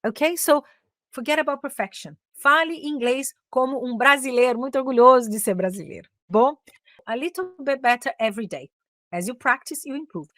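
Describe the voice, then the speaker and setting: A Brazilian woman with a fairly high voice, coaching English in a lively, chatty way. She moves back and forth between Portuguese and accented English as she teaches. The sound is dry and close, with no room echo. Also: moderate pace. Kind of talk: casual teaching talk.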